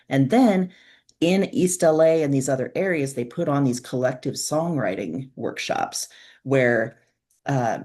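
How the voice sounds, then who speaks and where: A woman's voice: rumbling low, darkish tone. A woman speaking as an interview guest in a casual, earnest way, with plenty of informal filler words. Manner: earnest, informal, peppered with like and you know. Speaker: interview guest, author and podcaster.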